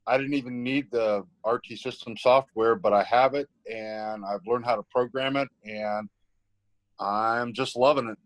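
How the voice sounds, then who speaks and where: A man's voice: mid-range voice, no echo, dull audio. A man with a mid-range voice chats in an eager, enthusiastic way. The sound is dry, and his style is informal and conversational. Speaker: newly tested amateur radio hobbyist. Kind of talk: casual chat.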